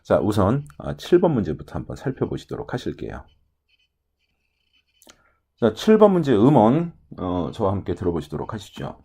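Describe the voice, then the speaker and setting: Male test-prep instructor with a low, husky voice; lively, swooping lecture delivery full of fillers. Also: moderate pace, pauses often. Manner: filler-heavy lecturing, frequent "ja" and "ye"; mimics English pronunciation in examples. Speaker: TOEIC listening instructor. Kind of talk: video lecture explaining test answers.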